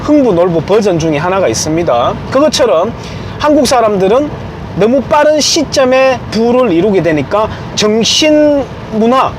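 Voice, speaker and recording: A man's voice: high voice, sing-song, moderate pace, noisy background. A man giving an informal, emphatic opinion monologue. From Gyeongju, South Korea. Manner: emphatic, acts out quoted remarks. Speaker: commentator.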